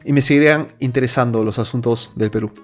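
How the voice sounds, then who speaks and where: A man's voice: medium pitch, fast. Man from peru, show host, earnest opinion monologue, stumbling restarts, faint music behind. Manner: earnest, many restarts and fillers.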